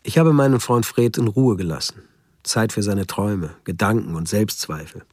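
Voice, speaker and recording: A man's voice: fairly low pitch, lively intonation, moderate pace, a little mellow, dry recording, clean studio sound. An actor playing a man who soberly and reflectively narrates the story of his friend in a radio drama. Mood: sober, concerned. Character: male friend soberly recounting a lonely man's story.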